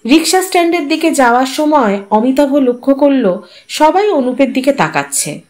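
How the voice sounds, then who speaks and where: Calm woman narrator, story channel host, reading a short story aloud, slightly high voice, even storytelling pace. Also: normal speed.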